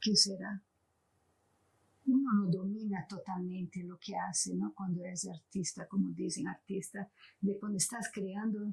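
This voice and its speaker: Somewhat breathy, a woman with a dark, mellow tone speaks at a fairly slow pace, medium pitch and fairly even intonation. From Brazil. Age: 70s. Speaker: visual artist. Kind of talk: interview.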